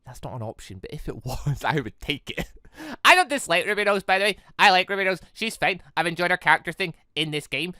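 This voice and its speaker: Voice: mid-range voice, pushed and bright, no echo, studio quality. A gaming video host giving casual, rambling commentary, chatty and digressive, often doubling back to correct what was just said.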